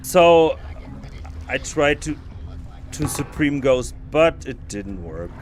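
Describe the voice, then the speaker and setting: A man's voice: mid-range voice, very animated, takes it slowly, a little hiss or hum. A man streaming a stealth game live, musing aloud to himself and chatting casually with his viewers, often restarting his sentences. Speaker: podcast host streaming a game. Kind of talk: casual live gameplay commentary.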